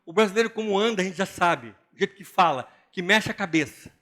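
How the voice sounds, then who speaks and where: An older man, a pastor with a Brazilian Portuguese accent, preaching an animated, joking sermon and mimicking other people's voices. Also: high-pitched, fast talker.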